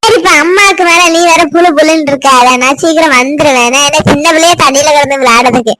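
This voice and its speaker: A woman's voice: high-pitched, fast, pushed and bright, slight background noise. A woman voicing an anxious young village woman with a Tirunelveli Tamil accent, pleading and emotional.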